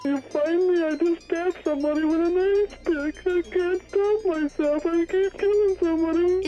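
Over clear background noise, a put-on character voice at an extremely high pitch moves at a moderate pace with hardly any pauses. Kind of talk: distressed phone call.

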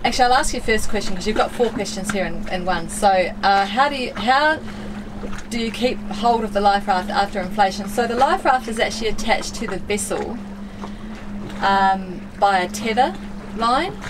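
There is noticeable background noise behind this woman. She speaks at a moderate pace. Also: ordinary pitch variation. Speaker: sailing vlogger. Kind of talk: Q&A answers, casual vlog chat. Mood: relaxed, cheerful. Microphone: camera far.

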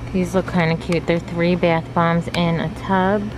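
A woman is heard in a dry recording with no echo and light background noise. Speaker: lifestyle vlogger. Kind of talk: casual vlog chat. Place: shop.

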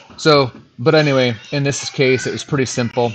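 A man is speaking. Crowd noise fills the background. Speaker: dentist instructor. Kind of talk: tutorial. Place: home room.

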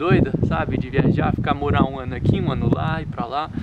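A man's voice over loud background noise. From Brazil. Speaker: former exchange student. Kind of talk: testimony. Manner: casual, halting with repetitions. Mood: relaxed, cheerful. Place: open country.

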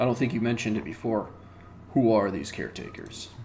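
A man puts on a gruff character voice at a medium pitch. He races along at a very fast pace over light background noise. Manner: trying to sound gruff.

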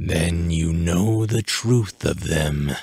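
A man puts on a character voice, hissing as he goes. His pitch is very deep and low. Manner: hissing, menacing.

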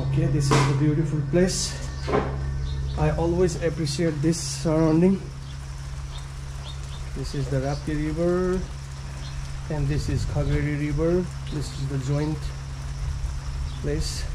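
There is noticeable background noise as a man speaks at a fairly slow pace. He leaves long, frequent pauses. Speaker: vlogger touring a friend's house. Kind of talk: casual vlog chat. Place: home room. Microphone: phone near.

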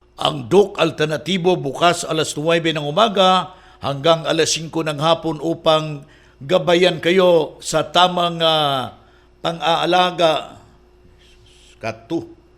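A man speaks in a high pitch at a very slow pace. His intonation stays fairly even. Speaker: radio health program host. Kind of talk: radio health program. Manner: halting with many fillers.

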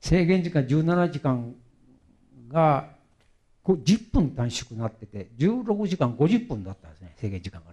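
A man speaks at a fairly high pitch in a dark, mellow tone that is somewhat breathy. His pitch swings very widely at a moderate pace over a quiet background. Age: 80s+. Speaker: triathlete. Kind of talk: lecture talk. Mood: warm, smiling, reflective. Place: hall.

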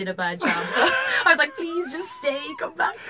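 Light background noise underlies the recording. A woman speaks at a very fast pace. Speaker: guest. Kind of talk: interview answer. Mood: cheerful, a bit shy. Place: bus. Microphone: studio mic.

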